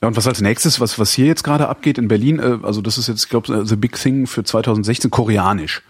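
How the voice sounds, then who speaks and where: A man's voice: on the low side, fast talker, husky, dry recording. A man in his forties co-hosting a podcast, chatting casually, rambling and laughing often. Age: 40s. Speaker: podcast co-host. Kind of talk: casual chat.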